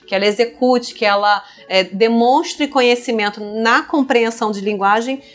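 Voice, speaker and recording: A middle-aged Brazilian woman, a speech therapist, explaining child language development in a lively podcast chat. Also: fairly high pitch, normal speed. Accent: Brazilian Portuguese. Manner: explanatory, lively, acts out parents and toddlers. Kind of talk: conversational podcast interview.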